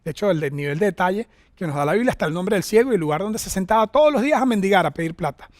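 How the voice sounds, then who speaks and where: A man from Venezuela delivers a sermon as a pastor, his voice sitting high for a man. He tells stories with lively, acted-out lines and asides. The sound is close and dry, with no room echo. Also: very fast. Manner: animated storytelling, acting out voices. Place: Costa Rica church setting.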